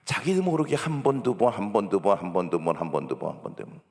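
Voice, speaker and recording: Gravelly pastor preaching in a hall. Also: male voice, big pitch swings, quick pace. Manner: acts out parent and child dialogue with sudden high-pitched bursts. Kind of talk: sermon. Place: church sanctuary. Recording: long church hall reverb.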